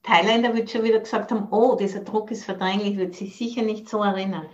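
An Austrian Buddhist nun teacher gives a dharma talk over a video call, speaking fast in a mid-range, slightly mellow voice with fairly even intonation. She is thoughtful, searches for words, and mixes in English phrases. The recording sounds muffled.

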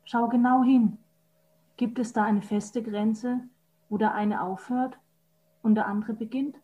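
Woman, poem reader, measured recitation, fairly high voice. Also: steady tone, dark tone, poor audio. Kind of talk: reading a translated poem aloud.

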